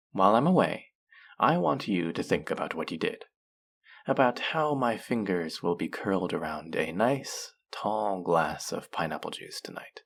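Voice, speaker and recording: A man acts out a male faerie trickster for an intimate audio drama, with a low, gravelly voice that swings widely in pitch. He is smug and playfully stern, drawing out his words as he teases and scolds like someone firmly in charge. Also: full character voice. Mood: taunting. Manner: teasing, drawn-out, mock-scolding, sultry.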